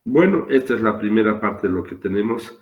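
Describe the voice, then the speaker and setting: Low-voiced man lecturing with a sore throat. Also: expressive, narrow, tinny audio. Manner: slow, repetitive explaining with pauses. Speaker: surgery lecturer. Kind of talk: online lecture. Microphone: computer mic on a video call. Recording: roomy video call audio.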